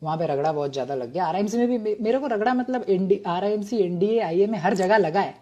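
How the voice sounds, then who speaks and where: With a high, expressive, dark-toned voice and a quick pace, a man in his thirties, formerly an army officer from Bengal, shares his story in a humorous, self-mocking, chatty monologue. The highs in the recording are cut off.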